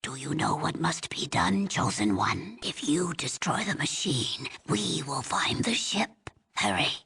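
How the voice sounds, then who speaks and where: A woman playing a weary, stern old tribal elder in a video game, with a breathy, husky rasp and a solemn, halting, commanding manner. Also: deep voice, animated, a bit bright, full character voice. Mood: weary, grave. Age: older. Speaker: village elder. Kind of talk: dramatic video game voice acting.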